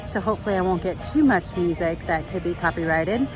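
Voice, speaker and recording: A woman's voice: lowish voice, a little fast, over music, low-quality recording. Woman vlogger, casual rambling chat, a little stuffy-nosed at times. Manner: chatty, rambling with fillers. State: stuffy from allergies. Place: theme park, outdoors and at home.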